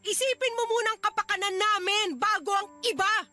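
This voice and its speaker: A woman's voice: very high voice, steady tone, fairly quick, pushed and bright, faint music behind. A woman playing a young wife in a radio drama, heated and scolding. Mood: angry. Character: angry young wife, sharp and confrontational.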